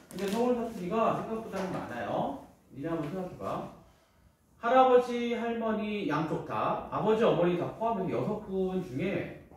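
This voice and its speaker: A man's voice: high-pitched, recorded from a distance, slight background noise. Man teaching in an echoey classroom. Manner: informal, questions students, banter. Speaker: high school teacher. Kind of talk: classroom lecture.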